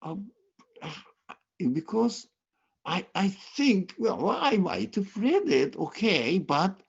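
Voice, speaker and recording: A man with a heavy Turkish accent and Turkish as his native language talks informally and haltingly, repeating words, over a video call. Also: sits high, big pitch swings, vocal fry, breathy edge. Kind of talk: informal sharing in a study group. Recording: dull, muffled online call audio.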